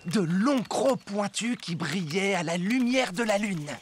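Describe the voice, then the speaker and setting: A dramatic cartoon youngster spinning a spooky tale. The voice is high and theatrical, full of suspense, with clear music behind it. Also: male voice, expressive, a little slow. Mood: suspenseful. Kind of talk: animated children's cartoon dub. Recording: background music under the dialogue.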